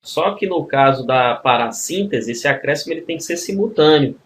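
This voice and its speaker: A male grammar teacher with a Brazilian Portuguese accent, voice sitting a little high, explaining exam questions step by step. He keeps checking in with his students as a group while he works through each rule. A faint hiss of noise sits behind him. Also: lively intonation, moderate pace. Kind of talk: recorded exam-prep video lesson.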